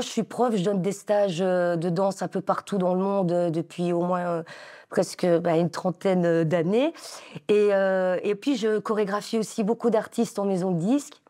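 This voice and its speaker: A woman's voice: mid-range voice, warm tone. Enthusiastic woman in her forties. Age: 40s. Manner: hesitant, many fillers, enthusiastic. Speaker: dance teacher and choreographer. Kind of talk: interview answers.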